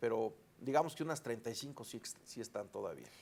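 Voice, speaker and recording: The background is silent in this very clean recording. A man talks very fast. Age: 60s. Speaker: judicial candidate, government lawyer. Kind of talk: interview.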